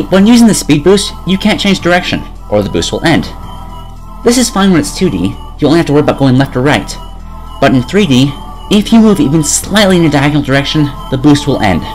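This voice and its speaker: A man narrating a scripted video game review in a sardonic, critical way, as a voice-over. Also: medium pitch.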